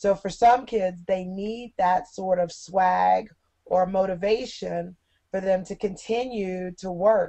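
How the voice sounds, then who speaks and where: A woman speaks at a very slow pace with fairly even intonation. The background is quiet. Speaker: teacher. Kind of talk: casual chat. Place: home room. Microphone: webcam.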